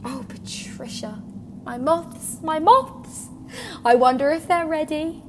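A woman's voice: sits high, takes it slowly, a bit bright, slight background noise. A woman acting in an audio drama as a brittle, controlling, moth-obsessed scientist, speaking in a fussy, repetitive, coaxing way. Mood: eerily controlled.

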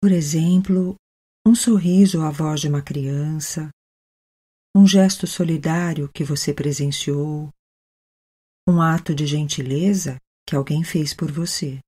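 Brazilian woman, meditation guide. Mellow, husky voice, gentle and unhurried delivery. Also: sits low, steady tone. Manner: gentle, unhurried, with long pauses. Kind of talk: guided meditation, soothing narration.

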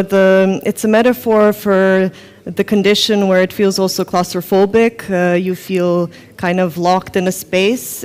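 A woman's voice: mid-range voice, a little mellow. A young woman director from Croatia answering interview questions thoughtfully, with many fillers. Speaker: film director. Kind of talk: festival interview. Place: festival lounge set, indoors.

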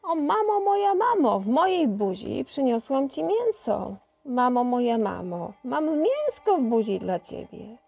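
A woman's voice: sits high, very animated, a little slow, gravelly, few pauses, slightly rough, voice pushed up, heavily acted. A woman singing as a magic little pot. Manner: sings a soft repeated chant. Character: magic singing female pot, sweet and childlike.

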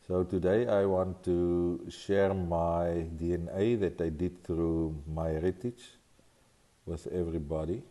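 An older man with a thick Afrikaans accent talks slowly and deliberately, his low, mellow voice searching for English words now and then. He speaks straight to a desk webcam from a home study lined with bookshelves. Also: steady tone. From South Africa. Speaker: farmer vlogger. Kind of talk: talking-to-camera vlog.

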